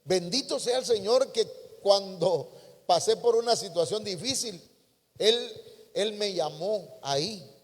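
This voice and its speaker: A man's voice: high voice, slow pace, slightly rough. A man preaching a folksy sermon, calling listeners brother. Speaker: pastor. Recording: long hall reverb.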